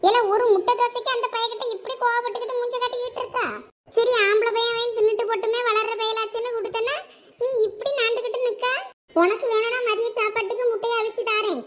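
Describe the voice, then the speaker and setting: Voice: very high-pitched, little pitch movement, quick pace, a bit bright. A voice actor playing a scolding mother in a cartoon, with a Thoothukudi Tamil accent. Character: scolding mother who favors her son. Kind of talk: cartoon voice acting.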